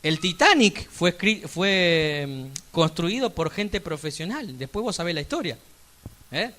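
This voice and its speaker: A man with an Argentine accent preaching a sermon in church, emphatic, with sudden loud rising peaks and chatty asides. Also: on the high side, animated, a little slow. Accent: Argentine Spanish. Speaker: pastor.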